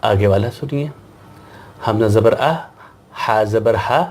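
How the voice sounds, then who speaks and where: A man with a fairly low voice runs a slow, patient reading lesson for children. He spells out each letter and sound one by one and repeats every syllable so learners can follow. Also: a little mellow. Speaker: Quran reading teacher.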